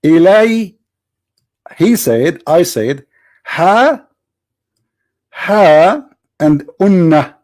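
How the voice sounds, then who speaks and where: A man with a tired voice giving hesitant casual commentary as a video host, clearing his throat and pausing with fillers. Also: sits high, sing-song, darkish tone, no echo.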